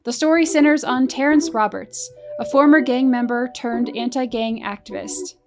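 A woman filling in as podcast host, reading a scripted introduction in a crisp announcer style. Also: a little high, normal speed. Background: music.

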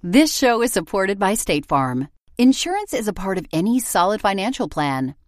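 A woman's voice: medium pitch, big pitch swings, moderate pace, no echo, clean studio sound. A woman reading a scripted sponsor message. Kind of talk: scripted advertising narration.

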